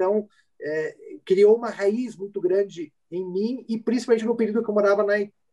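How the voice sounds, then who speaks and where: Fairly slow delivery from a man with a high pitch, a dark, mellow tone and ordinary pitch variation. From Brazil, Curitiba. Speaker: violinist. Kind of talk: interview. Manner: halting, many repetitions.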